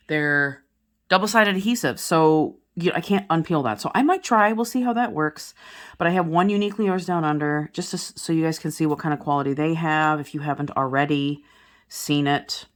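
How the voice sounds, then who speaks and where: A woman in her forties with a low-pitched voice chats casually to her audience as a crafting vlogger. She rambles from one thing to the next, full of fillers and self-corrections. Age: 40s. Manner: rambling, many fillers and restarts. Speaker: diamond painting vlogger. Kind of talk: casual chat to viewers while crafting.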